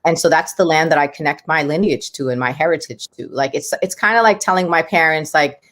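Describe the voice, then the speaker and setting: A woman's voice: sits low, a little fast, fairly bright tone. A woman, speaking as a guest in an interview, talking with passion and emphasis. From United States. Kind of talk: podcast interview.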